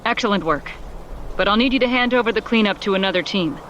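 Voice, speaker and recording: An actress playing a cool, commanding female superspy who gives brisk, authoritative orders over radio comms in an audio drama. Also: medium pitch, fairly bright tone, highs cut off, a little hiss or hum.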